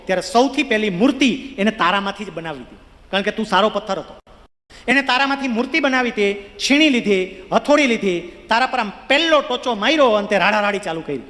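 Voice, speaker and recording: A man's voice: high-pitched, fairly bright tone. A man voicing a wise stone temple idol who patiently explains in a told story. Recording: long hall reverb.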